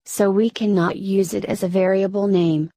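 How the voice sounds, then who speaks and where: A woman narrating a programming tutorial in a flat, synthetic-sounding scripted delivery. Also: medium pitch, normal speed, no echo, studio quality.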